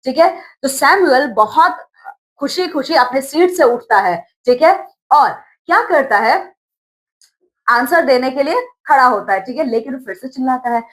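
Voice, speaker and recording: A woman with a high voice walks students through a story, one step at a time. She keeps mixing English words and lines into her explanation. She stops often to check in with a quick "okay". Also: lively intonation, a bit bright, rough recording. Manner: explains step by step, often saying "thik hai" between phrases. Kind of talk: lesson explanation, story retelling.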